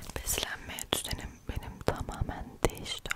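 A soft-spoken woman whispering at a moderate pace. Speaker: ASMR creator. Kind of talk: soft casual ASMR chat. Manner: soft ASMR whisper. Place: home room. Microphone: studio mic.

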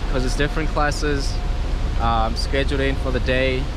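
Loud background noise sits behind a man whose voice sounds dry, with no echo. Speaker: cruise ship fitness instructor. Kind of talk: casual vlog chat. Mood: relaxed, easygoing. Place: street. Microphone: phone near.

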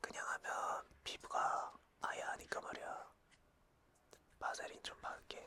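A man whispers at a very slow pace. Long, frequent pauses break up his speech. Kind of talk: ASMR roleplay, close personal attention. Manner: casual, familiar, chatty.

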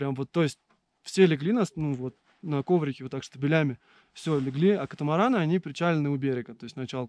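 Over a quiet background, a man talks at a very fast pace with a fairly high pitch, ordinary pitch variation and big swings in loudness, in a dry, close sound with no echo. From Moscow, Russia. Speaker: mountaineer and rafter. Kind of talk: interview. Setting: mountain hut. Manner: hesitant, many fillers.

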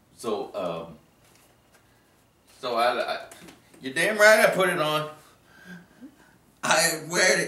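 Audible room echo surrounds a man's voice. He talks at a very slow pace with long, frequent pauses. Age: 40s. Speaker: stand-up comedian. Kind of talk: comedic monologue to camera. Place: home room. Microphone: camera far.

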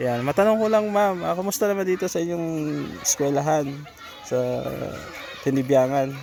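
Over noticeable background noise, a man speaks at a fairly quick pace with lively intonation and a fairly high pitch. He takes long, frequent pauses. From Philippines, Negros (Calatrava). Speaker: vlogger doing charity outreach. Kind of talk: casual interview. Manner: halting, many fillers.

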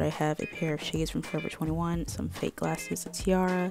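A woman at a very fast pace, music in the background. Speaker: college student. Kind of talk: casual vlog voiceover.

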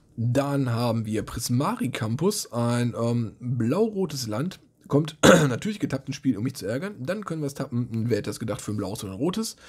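A man's medium-pitched, somewhat breathy voice at a moderate pace, with lively intonation and hardly any pauses. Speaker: tabletop gaming YouTuber. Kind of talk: unboxing video. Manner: casual, chatty.

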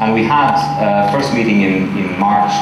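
Music plays in the background as a man speaks at a moderate pace, with audible room echo. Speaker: conference speaker. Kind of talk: lecture. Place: hall. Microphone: podium.

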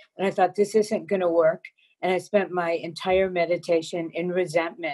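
Fairly even intonation and a fairly low pitch mark this woman's delivery, an unremarkable speaking voice. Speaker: online meditation participant. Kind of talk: audience question. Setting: video call.

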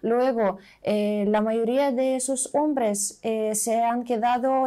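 A woman speaks at a very slow pace in a high pitch. Her intonation is fairly even, and the background is quiet. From eastern Ukraine, Donetsk; Ukraine. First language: Russian or Ukrainian (speaking Spanish). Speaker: refugee aid worker; interviewee. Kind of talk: interview. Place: office.

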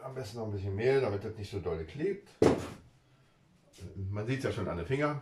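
Loud background noise fills the clip. Through it, a man speaks at a moderate pace. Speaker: home cook vlogger. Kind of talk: casual vlog chat. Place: kitchen. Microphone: camera far.

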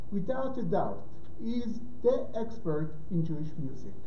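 A man at a fairly slow pace with lively intonation, light background noise and audible room echo. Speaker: library director. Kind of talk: speaker introduction. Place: hall. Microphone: camera far.

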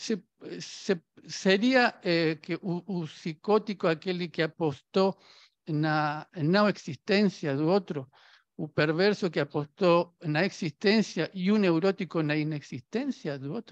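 A man's high-pitched voice, fairly slow and with ordinary pitch variation, dry with no echo over a quiet background. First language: Spanish (speaking Portuguese). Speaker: audience member. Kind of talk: question from the audience. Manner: halting. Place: classroom.

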